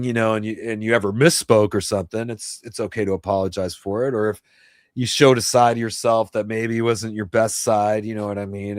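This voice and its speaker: A man's voice: lowish voice, a little mellow, no room sound, studio quality. A man in his fifties from New Jersey, chatting casually and rambling with viewers on his livestream, chuckling now and then. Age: 50s. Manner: rambling, laid-back, chuckles often. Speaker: livestream host and guitarist.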